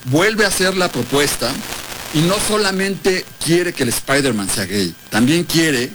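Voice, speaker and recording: A man's voice: a little high, animated, a little slow, noisy background. A man, a radio show regular telling comic stories with crude punchlines.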